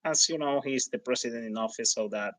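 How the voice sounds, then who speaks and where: A man with a Hispanic accent, a native Spanish speaker, giving live election results commentary as a livestream host, often halting and searching for words. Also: mid-range voice, fairly bright tone, dry recording, rough recording.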